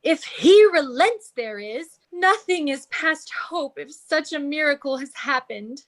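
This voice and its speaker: An actress playing an anxious wife facing ruin, earnest, in a radio drama. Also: female voice, high voice, animated, unhurried.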